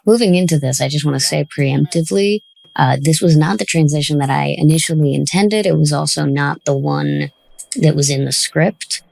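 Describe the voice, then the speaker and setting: A woman's voice: low voice, moderate pace, gravelly, darkish tone. A woman hosting a casual commentary on an audio drama, chatty and reflective as the show's creator.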